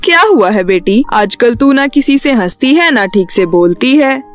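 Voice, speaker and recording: A woman voicing a caring, fretful village mother who coaxes and exclaims in an animated storybook tale. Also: fairly high pitch, a little slow, faint music behind. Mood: concerned, coaxing. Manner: concerned, coaxing, exclamatory. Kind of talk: animated moral storybook dialogue.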